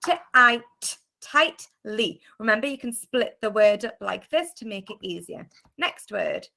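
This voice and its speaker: Bright-voiced British woman teaching phonics. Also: mid-range voice, lively intonation, moderate pace. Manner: encouraging, clear sounding-out of letters. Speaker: primary school teacher. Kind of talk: online phonics lesson. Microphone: video call.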